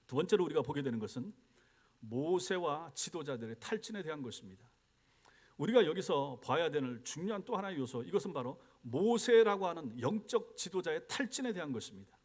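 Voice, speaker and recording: Pastor, male, high-pitched and animated, fast sermon delivery, voices plaintive prayers. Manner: animated preaching, acts out complaining prayers. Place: church sanctuary.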